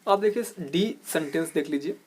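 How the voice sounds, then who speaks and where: A man teaching an exam-prep grammar lesson as host of his channel. He asks rhetorical questions, keeps saying "look here", and slows down to stress each corrected phrase. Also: on the high side, a little mellow, breathy edge. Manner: explanatory, repeats "dekhiye", slows down to stress corrected words.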